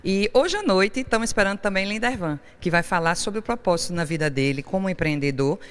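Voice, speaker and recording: Woman, 30s, smooth clear voice, volunteer, live TV interview. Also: mid-range voice, expressive, a little fast. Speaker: event volunteer. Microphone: handheld reporter mic.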